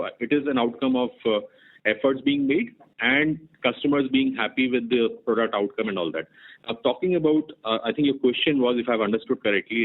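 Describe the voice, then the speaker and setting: A man, a company executive, answering an analyst on an earnings call with many fillers and restarts. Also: medium pitch. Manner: rambling with many fillers, checks he understood. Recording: phone-line audio.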